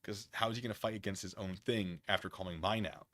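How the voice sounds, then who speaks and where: A man chats casually as a livestream host, rambling in a wry way. His voice sits a little low yet has a crisp, bright edge. The sound is dry and close, with very little room on it. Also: quick pace, dry recording. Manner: wry, rambling, acts out imagined exchanges. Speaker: livestream host reading and answering chat. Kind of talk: casual chat with livestream viewers.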